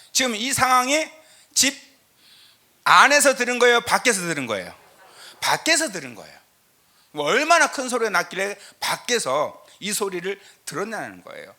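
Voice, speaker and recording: Emphatic Korean pastor with southern lilt. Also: male voice, sits high, sharp tone. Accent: southern Korean regional lilt. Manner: emphatic, rhetorical questions, frequent "eo" fillers. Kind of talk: lecture sermon with scripture reading. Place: church sanctuary.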